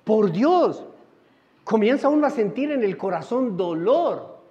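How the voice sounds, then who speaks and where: A middle-aged man preaching a sermon as pastor, telling a personal story with dramatic swings between loud and soft. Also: high voice, big pitch swings, unhurried. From Colombia. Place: church sanctuary. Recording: muffled church sound with long reverb.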